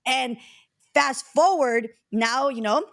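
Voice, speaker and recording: A woman in her forties from Mexico, hosting a casual interview chat and telling stories in a reflective, drawn-out way. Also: sits high, creaky, a bit bright. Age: 40s. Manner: reflective, storytelling, drawn-out phrasing with fillers. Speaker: podcast host.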